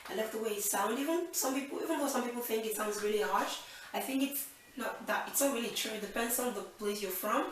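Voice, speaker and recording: A woman's voice: a little high, fast talker, heavy reverb, far from the mic, a little hiss or hum. A woman in her twenties from Nigeria hosting a casual Q&A vlog, chatty and upbeat, thinking aloud with fillers. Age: 20s. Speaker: channel host.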